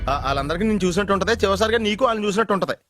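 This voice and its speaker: A cheeky, fast-talking wisecracker. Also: male voice, sits high, expressive. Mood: mocking. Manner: cheeky, quick-witted back-talk. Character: cheeky wisecracking young man, always talking back. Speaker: comic lead in film scenes. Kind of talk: film comedy dialogue. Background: film background music.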